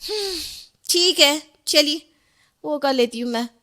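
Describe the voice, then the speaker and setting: A woman voicing a spoiled, rude young bride in a cartoon story, talking sarcastically and whining loudly. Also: lively intonation, slow pace, exaggerated voice. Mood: lazy dismissive. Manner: shrill, sarcastic, whiny.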